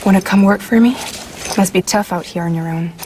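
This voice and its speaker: An actress playing a guarded young female courier who talks in dry, clipped, quietly wry lines, in a video game cutscene. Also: lowish voice, fairly quick, slight background noise, close to an everyday voice. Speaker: courier company leader. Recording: game cutscene with loud score.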